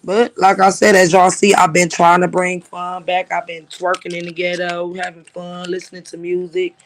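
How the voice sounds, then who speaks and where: High-voiced man ranting on a livestream. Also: monotone, normal speed, fairly bright tone. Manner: emphatic, profane, repeats "like I said". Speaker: livestream host. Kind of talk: casual livestream talk.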